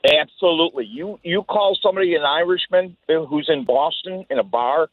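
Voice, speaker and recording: A man's voice: fairly high pitch, normal speed, no echo. A man calling in to a radio show from Fort Worth, heated and insistent as he argues his point. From Fort Worth, Texas. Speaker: caller. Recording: phone line.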